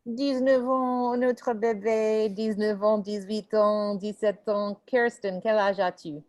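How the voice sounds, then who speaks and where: A woman's voice: mid-range voice, steady tone, takes it slowly, a little mellow. A woman teaching an online French class over a video call, mixing French and English as she encourages her students.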